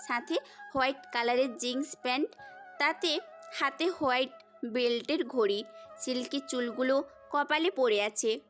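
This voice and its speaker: A woman's voice: high voice, fairly bright tone. A young woman narrating a romantic story in the first person, as a scripted audio tale.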